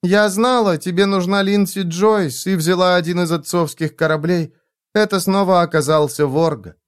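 Man voicing a blind woman, vengeful, proud, intense, defiant, raised pitch, audiobook. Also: steady tone, moderate pace, clean tone, close to an everyday voice. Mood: tender. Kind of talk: dramatic audiobook reading.

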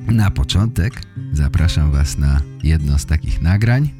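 A man hosting a language podcast addresses learners in measured, clearly phrased speech broken by short pauses. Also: a bass voice, animated. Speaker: language podcast host and teacher. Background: guitar music.

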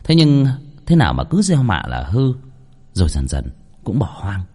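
Man, ghost story narrator, husky voice, very animated pitch, dramatic. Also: normal speed.

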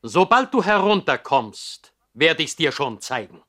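A man's voice: fairly high pitch, sing-song, a little slow, sharp tone, full character voice. An actor playing a stern, imperious baron and father in a radio play, speaking in strict, clipped commands. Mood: threatening. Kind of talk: 1960s German radio play acting.

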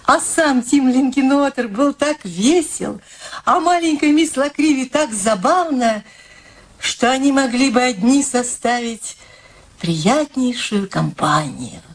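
A woman's voice: fairly high pitch, measured pace, lightly acted. A woman acting in a radio play as a devoted, wry middle-aged daughter, soothing and practical with dry irony. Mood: reading aloud. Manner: soothing, practical, dryly ironic. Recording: steady background noise.

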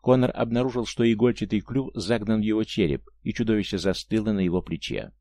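A man narrating an audiobook in a steady, measured reading. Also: fairly low pitch, no room sound. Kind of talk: audiobook narration of science fiction.

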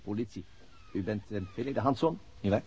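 An actor playing a methodical, middle-aged police chief inspector in a radio drama, matter-of-fact and probing, with a husky voice. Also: male voice, lowish voice, lively intonation, fairly quick, dark tone. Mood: polite, official. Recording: dull lo-fi radio drama recording.

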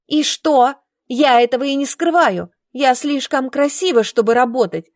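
A woman voicing a shrill haughty young aristocrat. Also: lively intonation, moderate pace, no room sound, studio quality. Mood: indignant shrieking. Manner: hissing, indignant and scornful. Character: haughty young noble girl, vain and shrill.

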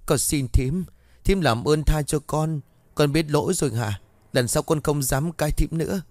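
A man's voice: mid-range voice, unhurried, darkish tone, no room sound, natural voice. A beaten young girl, voiced by a man in a spoken ghost story. She pleads in a raised, tearful, trembling voice. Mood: pleading. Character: frightened, beaten girl of nearly thirteen.

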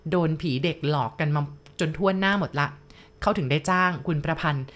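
Woman reading out ghost stories, lowish voice, polite and chatty with listeners. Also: fairly quick, a bit bright. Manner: polite, addresses listeners directly. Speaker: ghost story narrator. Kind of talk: narrated ghost story for listeners.

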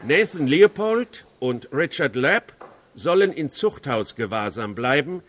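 A man playing a solemn white-haired judge in a radio crime drama, formal, weighty and deliberate as he reads. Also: medium pitch, very animated, a bit bright.

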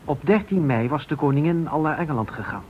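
A man's voice: a little high, animated, a little fast. A man giving dramatic scripted narration for a radio play, in grave, clipped sentences. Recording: muffled old radio recording, clear noise.

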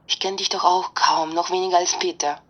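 An actress playing a sorrowful, romantic and evasive online sweetheart from Russia in a German radio drama, emotional and imploring. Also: female voice, lowish voice, level tone, a little fast, dull audio, natural voice. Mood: hurt, pleading.

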